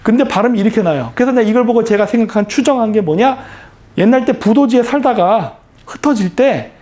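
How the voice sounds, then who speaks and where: Lively lecturing man. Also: extremely high pitch, a little fast. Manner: rhetorical questions answered himself; explanatory, emphatic. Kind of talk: history lecture.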